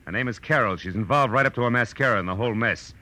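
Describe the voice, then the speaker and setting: An actor playing a tired, brusque, wisecracking private detective in a 1940s radio drama. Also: male voice, medium pitch, racing, bright, forceful tone, lightly acted. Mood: tough, brusque. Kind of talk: 1940s radio drama acting and first-person narration. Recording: old radio recording with music.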